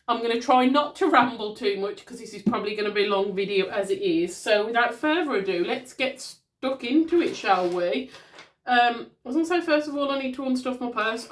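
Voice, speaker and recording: A woman in her thirties from the West Midlands with a Black Country accent, talking through her monthly budget at home in a chatty, rambling way, slightly nasal and congested from a cold. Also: fairly high pitch. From West Midlands, England. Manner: chatty and rambling, with many ums and restarts. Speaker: budgeting vlogger. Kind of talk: casual chat to camera while handling a planner. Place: at home, at a desk.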